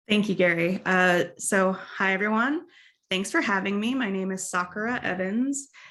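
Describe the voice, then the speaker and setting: Recorded very cleanly against a silent background, a woman with an American accent speaks at a moderate pace in a bright, sharp tone, with medium pitch and ordinary pitch variation. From US West Coast, Southern California (Orange County). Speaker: new community council member. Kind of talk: casual introduction at virtual meeting.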